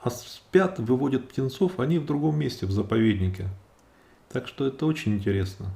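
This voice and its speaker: A man narrating a nature vlog in a relaxed storytelling style, with halting, thoughtful phrasing. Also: medium pitch, gravelly. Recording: roomy echo, guitar music behind.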